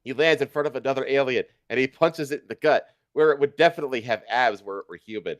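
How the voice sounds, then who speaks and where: A man's voice: mid-range voice, fast, no echo, clean studio sound. A man streaming a live fan fiction reading, stumbling over lines and tossing in irreverent comments. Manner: irreverent, animated, stumbles and rereads. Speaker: streamer, host.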